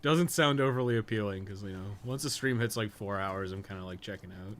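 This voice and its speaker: A man's voice: on the low side, brisk, fairly bright tone. A man giving casual, rambling commentary on a gaming livestream, with slangy speech and frequent swearing. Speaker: livestreamer, podcast co-host. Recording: noticeable background noise.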